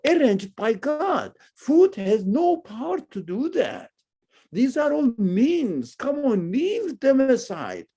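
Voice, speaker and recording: Animated man giving a slow religious talk. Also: high voice. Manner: animated, rhetorical questions, non-native phrasing. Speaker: Islamic teacher. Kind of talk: religious lecture.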